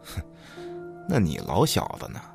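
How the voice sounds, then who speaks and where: A man plays a hot-tempered village tough in a radio drama. He is coarse and foul-mouthed, throwing accusations and taunts with a hugely animated pitch, over music. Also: unhurried, vocal fry, full character voice. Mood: angry, threatening. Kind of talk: Chinese radio drama acting.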